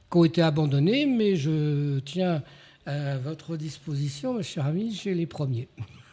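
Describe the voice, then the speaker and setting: Somewhat breathy and dark, mellow in tone, a man's voice comes through on a very clean recording with a silent background. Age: 80s+. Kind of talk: interview. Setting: outdoors at a riverside open-air café.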